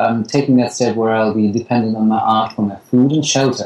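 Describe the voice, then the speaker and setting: A man speaks in a dark, mellow tone at a medium pitch. His intonation is monotone and flat. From India and Europe (mixed upbringing). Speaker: singer-songwriter. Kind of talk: casual interview. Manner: halting.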